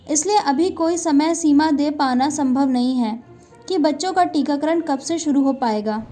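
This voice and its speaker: A woman anchor reading scripted news bulletins in a steady, formal newsreader delivery. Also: sits high.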